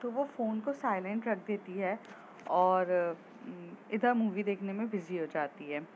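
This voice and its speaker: A woman's voice: medium pitch, a little slow, a little mellow. A woman telling a love story in a casual, chatty, rambling way with many fillers. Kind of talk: casual spoken story narration. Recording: muffled lo-fi with faint noise.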